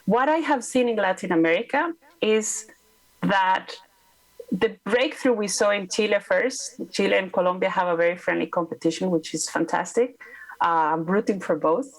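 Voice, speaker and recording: A Costa Rican climate advisor, a native Spanish speaker with a Costa Rican accent, makes emphatic, persuasive panel remarks. Her voice is mid-range at a moderate pace, captured on a rough recording.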